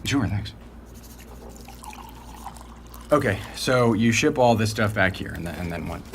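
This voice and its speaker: Curious journalist in a podcast drama, creaky voice, casual halting questions, faint noise behind. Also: male voice, on the low side, expressive. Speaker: interviewer. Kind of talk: naturalistic audio drama, casual interview.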